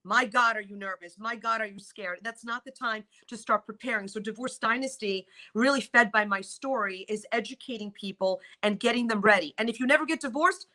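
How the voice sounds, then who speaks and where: Bright-voiced Polish-born woman lawyer, emphatic. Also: on the high side, a little fast, few pauses. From Poland. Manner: emphatic, exclamatory storytelling. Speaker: divorce lawyer guest. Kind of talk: morning TV interview.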